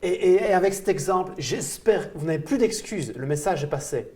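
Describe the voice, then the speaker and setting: A man's voice: high-pitched, lively intonation, brisk, mellow. Enthusiastic male interview host. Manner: enthusiastic, lots of praise and interjections. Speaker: host and coach.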